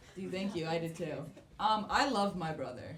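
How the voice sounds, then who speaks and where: A woman speaks at a moderate pace with lively intonation. There is audible room echo and noticeable background noise. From Middle East. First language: not English. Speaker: stand-up comedian. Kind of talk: stand-up. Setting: stage with audience.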